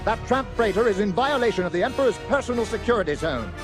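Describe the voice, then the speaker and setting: A man's voice: high voice, lively intonation, fast, over music. A man playing an irate, bullying imperial patrol commander in a space audio drama, barking and exasperated. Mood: furious.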